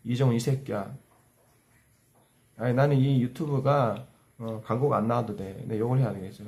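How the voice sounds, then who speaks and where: A man's voice: mid-range voice, fairly quick, darkish tone. A man delivering angry ranting commentary as a YouTube commentator, heated and insulting. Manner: heated, insulting, repeats cursing phrases.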